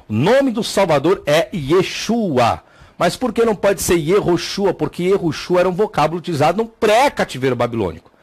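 A man's voice: high voice, slightly rough. A man with a Brazilian Portuguese accent teaching a theology class, emphatic, repeating key words and pointing things out on a screen. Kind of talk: classroom lecture with slides.

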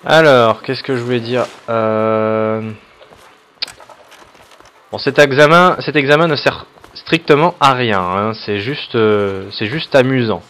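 A man's voice: medium pitch, takes it slowly, a bit bright. A man hosting a video game let's play, reading the on-screen options aloud and adding hesitant, joking comments full of fillers. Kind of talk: casual gameplay commentary.

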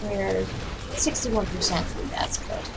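A young woman with a hoarse, raspy voice, casually commenting on her own gameplay while streaming from home and chatting with viewers. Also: medium pitch, takes it slowly, very noisy. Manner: chatty, profane, talks to herself while playing. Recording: game music behind voice. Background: game music.

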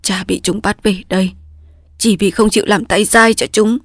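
A woman's voice: medium pitch, steady tone, normal speed, no echo, studio quality, lightly acted. A woman voicing a dying old father who speaks weakly and solemnly, sometimes in a whisper. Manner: weak, strained, sometimes whispered.

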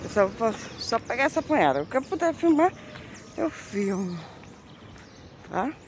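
A woman's voice: a little high, big pitch swings, normal speed. A woman with a Bahian Brazilian accent vlogging casually on a handheld phone, pointing things out in short, repeated exclamations. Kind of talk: casual handheld market tour. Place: street and large open-sided covered market. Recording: noisy outdoor street and market ambience.

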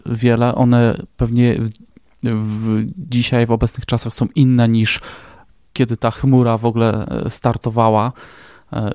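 A male podcast host with a mellow, dark, mid-pitched voice, asking questions in a loose, jokey way with hesitant fillers. The recording is dry and close. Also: no echo. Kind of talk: casual interview conversation.

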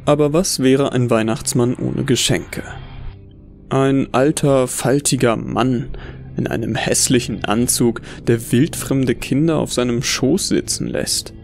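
Gravelly man narrating a horror story. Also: medium pitch, unhurried, a little mellow, soft background music. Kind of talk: first-person scripted horror story narration.

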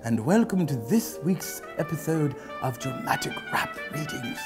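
A man in his thirties playing a pompous aristocratic gentleman host, giving a theatrical mock-literary dramatic reading of rap lyrics. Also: on the high side, lively intonation, over music. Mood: grand, welcoming. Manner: pompous, theatrical, drawn-out pauses. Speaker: comedy show host. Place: book-lined indoor study set, seated.

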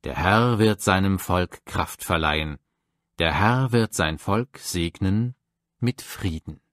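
A man reading psalms aloud for a Bible audiobook, measured and reverent. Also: low voice, fairly bright tone, dry recording, studio quality. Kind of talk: solemn scripture reading.

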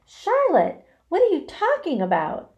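A woman's voice: on the high side, huge pitch swings, a little slow, dull audio. A woman voicing a frantic, tearful young male pig who pleads urgently in a children's storybook. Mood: distraught. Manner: urgent, wailing exclamations.

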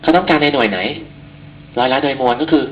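A man's voice: mid-range voice, fast talker. Young guy tutor, chatty and casual, dull lo-fi recording with a bit of hum. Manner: chatty, informal, encouraging, calls himself big brother to students. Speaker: chemistry tutor. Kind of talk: casual classroom lecture.

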